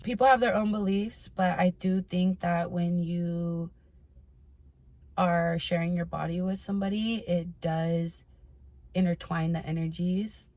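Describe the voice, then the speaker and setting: Hosting a casual personal advice vlog, a woman talks candidly and informally to her followers in a chatty monologue, swearing freely. Her lowish, darkish voice has fairly even intonation and a slightly slow pace, with no echo.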